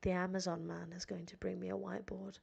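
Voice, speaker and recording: A woman from the north of England with a nasal voice and a northern English accent, sounding tired and a little hoarse, chatting casually and rambling with lots of fillers on a live stream for her English learners. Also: on the low side, level tone, fast talker, a little mellow, highs cut off. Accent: northern English, Sheffield. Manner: rambling, self-deprecating, frequent fillers. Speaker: English teacher.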